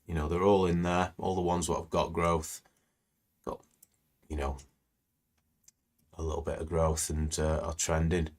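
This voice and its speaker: A man hosts a live stream, commenting on stock screens in a rambling, conversational way full of fillers. His voice is croaky and a little hoarse today. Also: a bass voice, completely flat delivery, a little slow, pauses often. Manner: conversational, rambling, many "you know" fillers. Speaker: trading educator hosting live stream.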